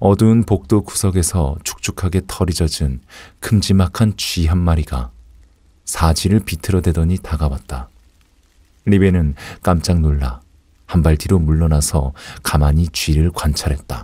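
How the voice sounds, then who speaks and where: With a very deep, low pitch and a dark, mellow tone, a somewhat breathy man speaks at a fairly slow pace with long, frequent pauses, very even loudness and a quiet background. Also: ordinary pitch variation. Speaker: audiobook narrator. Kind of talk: audiobook reading.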